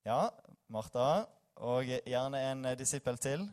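A young man gives an easygoing sermon in a church hall. He sounds tired after a short night, and he jokes at his own expense and chats with the congregation. His voice sits at an ordinary middle pitch. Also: animated, darkish tone. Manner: self-deprecating, joking, chatty with the congregation. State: tired after little sleep. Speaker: preacher. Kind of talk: informal sermon with scripture reading.

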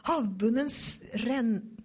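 A woman giving a devotional Bible teaching, reading verses slowly and with emphasis, then talking them over. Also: a little high, a little mellow, breathy edge.

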